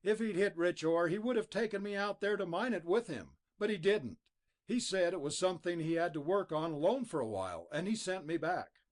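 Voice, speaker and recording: Man voicing a big adult miner, raised lively voice, uneasy. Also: sits high, brisk, pitched above the performer's own voice.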